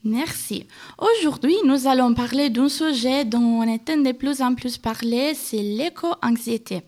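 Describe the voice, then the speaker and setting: Italian woman from sardinia hosting radio, reads from script, voice a bit high. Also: a little mellow. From Sardinia, Italy. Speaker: radio host.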